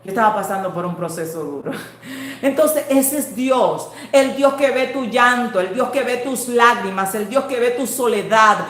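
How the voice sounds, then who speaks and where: A woman's voice: fairly high pitch, normal speed, fairly bright tone, reverberant, slight background noise. A woman in her forties, a pastor, preaching a sermon with emotional storytelling and urging her listeners on. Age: 40s.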